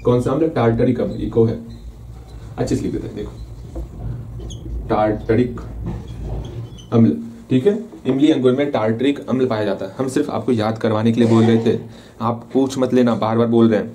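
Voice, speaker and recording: A man's dark-toned, medium-pitched voice comes through with slight background noise. He's a science teacher giving an easygoing revision lesson, playfully repeating key terms and asking and answering his own questions.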